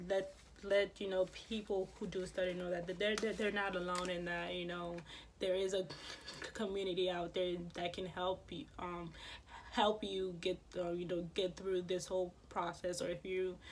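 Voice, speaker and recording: Woman, stutters, repeats words, lots of fillers, casual vlog talk, slightly low voice. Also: slight background noise. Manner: many fillers, soft-spoken. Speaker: vlogger.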